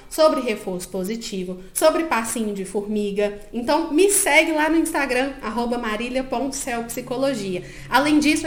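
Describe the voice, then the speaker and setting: A woman psychologist, giving step-by-step advice to parents and often checking that the listener is following. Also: high-pitched. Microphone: own microphone. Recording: echoey room.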